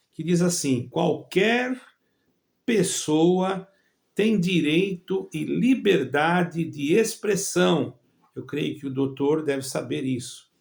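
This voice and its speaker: Talking straight to fellow believers on his own evangelical channel, this middle-aged man, who grew up between Brazil and Portugal, keeps pausing and restarting. His voice is on the high side and darkish, with vocal fry.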